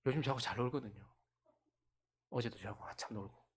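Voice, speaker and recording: A middle-aged male pastor preaching a sermon, swinging from loud calls to hushed near-whispers and acting out quoted voices as he tells stories. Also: medium pitch, fairly quick, slightly rough. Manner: acts out quoted voices in conversational storytelling.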